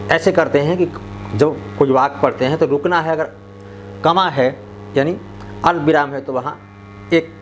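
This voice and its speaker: Guy teaching grammar, slow and deliberate, stretches out his examples, faint hum behind. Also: a little high. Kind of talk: grammar lesson for parents and teachers.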